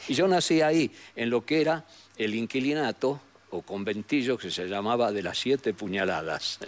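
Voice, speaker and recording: An older man with a northwestern Argentine accent, telling memories as an interview guest in a rambling, halting way with frequent tag questions. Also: mid-range voice. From San Salvador de Jujuy, Argentina. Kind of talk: reminiscing in a conversational interview. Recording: noticeable background noise.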